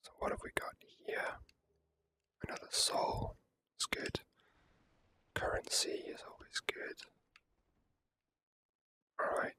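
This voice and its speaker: A gaming creator whispers ASMR commentary softly, the whisper bright and crisp and never rising to full voice. The pace is casual and unhurried, with an occasional mild swear, and the recording quality is low.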